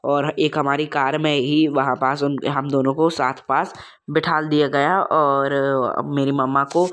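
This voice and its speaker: A man is teaching a school English chapter, and his voice sits somewhat high. He reads each line slowly, then explains it in a relaxed way, with plenty of fillers and small asides. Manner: casual asides with many fillers.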